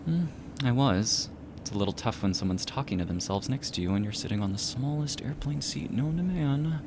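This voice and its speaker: An actor playing a sleepy, wry but caring friend in naturalistic audio drama dialogue, a little hesitant and dryly teasing. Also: male voice, medium pitch, brisk, natural voice. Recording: noisy airplane cabin ambience.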